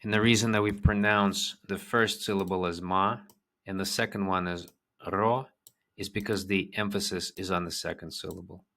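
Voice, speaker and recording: A man teaching a vocabulary lesson, repeating each word twice in a slow, patient way. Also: low voice, fairly even intonation, pushed and bright. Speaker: language teacher.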